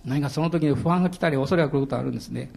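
A middle-aged man preaching a sermon as pastor, animated, laughing and shouting hallelujahs. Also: a little high, rapid-fire, vocal fry.

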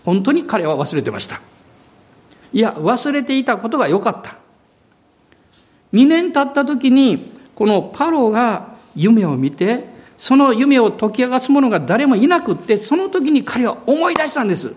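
A middle-aged man preaching a sermon and telling a personal story, acting out quoted voices, with many fillers and pauses. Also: very high voice, big pitch swings, darkish tone. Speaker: pastor.

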